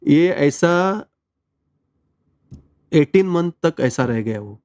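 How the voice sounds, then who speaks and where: Earnest man with a mellow voice. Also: fairly high pitch, lively intonation, extremely slow, clean tone, dry recording. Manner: earnest storytelling, mixes in English words. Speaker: interview guest, devotee. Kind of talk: conversational personal testimony.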